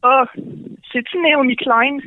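A woman's voice: high voice, slow pace. A woman voicing a timid, naive young man with a plaintive, hesitant way of talking and a Québécois French accent. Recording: tinny phone line.

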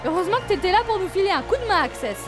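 Woman as a brash, high-pitched cartoon heroine. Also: lively intonation, racing, music in the background. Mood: chatty. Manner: mouthy, colloquial.

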